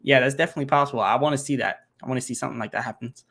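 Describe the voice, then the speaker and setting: A man's voice: medium pitch, rapid-fire, a bit bright, husky. A man hosting a casual livestream Q&A from his home computer, thinking aloud and working out numbers with many fillers. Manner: rambling, thinks aloud while doing math, many fillers. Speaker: crypto channel host. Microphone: home computer setup, single monitor.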